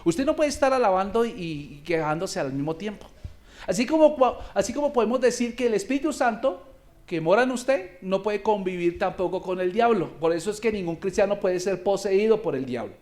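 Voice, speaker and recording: A man's voice: sits high, expressive, fairly quick, darkish tone. A male pastor preaching a sermon, asking his congregation questions as he teaches.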